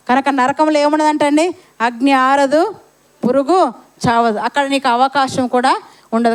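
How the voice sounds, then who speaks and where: A woman preacher delivers a Sunday sermon to her congregation. Her voice sits high, and she drives each point home by asking questions and repeating lines. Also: darkish tone. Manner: rhetorical questions, repeats phrases for emphasis. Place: church service.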